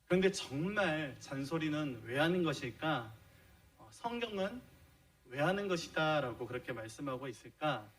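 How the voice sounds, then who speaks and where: A man's voice: a little high, lively intonation, moderate pace, a bit bright, rough recording. A middle-aged man preaching a sermon in a church, explaining his points earnestly and posing rhetorical questions to the congregation. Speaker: pastor. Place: church sanctuary.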